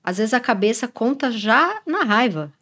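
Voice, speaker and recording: A woman's voice: fairly high pitch, very animated, normal speed, a bit bright, husky. A woman, co-hosting a podcast and reacting eagerly to her guest. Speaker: podcast co-host. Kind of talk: casual chat.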